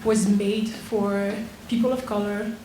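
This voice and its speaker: A woman from Switzerland, not a native English speaker, talks slowly and earnestly at a mid pitch, pausing between phrases. Her voice rings through an echoey theater with faint noise behind it. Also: steady tone, warm tone. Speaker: dancer and performer. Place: theater auditorium.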